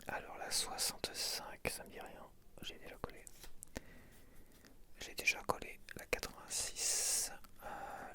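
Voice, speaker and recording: A man whispering casual, informal ASMR commentary in a breathy voice, muttering to the viewer close to the microphone. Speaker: ASMR video creator.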